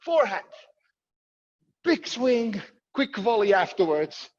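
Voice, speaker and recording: A man's voice: high-pitched, takes it slowly. A man coaching a fitness workout, giving instructions and calling out drills in short commands with encouragement. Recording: muffled, echoey hall sound.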